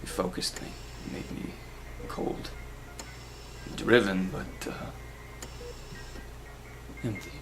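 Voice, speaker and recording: Male actor as brooding asylum director, lowish creaky voice, halting, deliberate, dramatic fan-series monologue, noisy recording. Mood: brooding, grieving. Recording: clearly noisy amateur recording with ambience.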